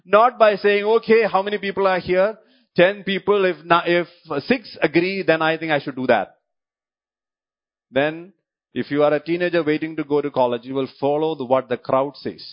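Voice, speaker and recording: A man's voice: high voice, moderate pace. A man with a Malayali Indian English accent, whose first language is Malayalam, preaching a sermon. He repeats key phrases and keeps asking the congregation short questions. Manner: repeats key phrases and restarts his sentences. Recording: dull lo-fi recording.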